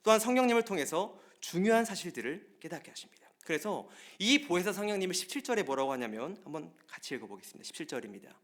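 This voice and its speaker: A man preaching a sermon as pastor, telling stories in a lively way and speaking straight to the congregation in a church. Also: sits high, quick pace, hardly any pauses. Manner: lively storytelling, often addresses the congregation directly. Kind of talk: Wednesday service sermon. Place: church sanctuary.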